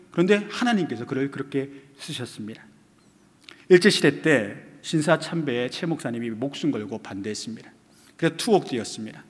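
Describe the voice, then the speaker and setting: A man preaching a sermon as pastor, acting out quoted voices with sudden rises in pitch and loudness. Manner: acts out quoted voices with dramatic pitch swings. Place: church sanctuary. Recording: long church hall reverb.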